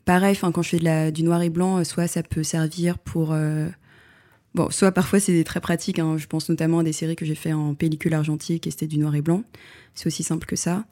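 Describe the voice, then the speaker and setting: A woman photographer answering interview questions in a reflective way, pausing often with fillers and restarting her sentences. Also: sits low, level tone, mellow. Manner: hesitant, many fillers and restarts.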